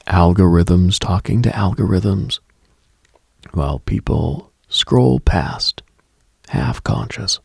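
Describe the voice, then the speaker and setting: A man hosting a late-night mystical radio show, telling eerie reflective stories in a hushed, halting, musing way with a gravelly, husky, breathy voice close to the mic. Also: sits low, animated, dry recording.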